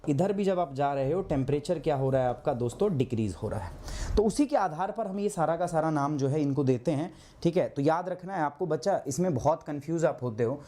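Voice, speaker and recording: A hoarse man teaching a live online geography class, asking his students questions and answering them himself, with English terms mixed in. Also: on the high side, animated, brisk, mellow. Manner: clears his throat often.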